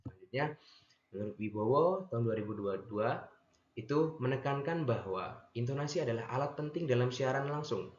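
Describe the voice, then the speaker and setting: A man's voice: medium pitch, fairly quick. A young man giving an earnest class presentation, stumbling and correcting himself now and then. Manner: earnest, with restarts and self-corrections. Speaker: student presenter. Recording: echoey room, dull lo-fi mic, faint noise.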